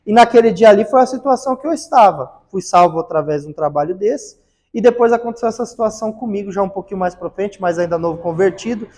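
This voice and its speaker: High-voiced guy teaching a bible class, tells stories, acts out the lines, very casual talk. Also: fast. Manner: lively storytelling, acts out dialogue with rises in loudness; casual colloquial speech with frequent fillers. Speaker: theology teacher. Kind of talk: lesson with personal testimony stories.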